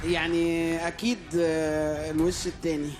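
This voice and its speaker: A man's voice: fairly high pitch, level tone, moderate pace, over music. A man with an Egyptian accent, giving casual feedback as a talent show judge.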